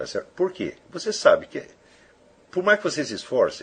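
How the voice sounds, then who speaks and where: A man at a moderate pace. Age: 60s. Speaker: teacher. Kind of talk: lecture. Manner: animated.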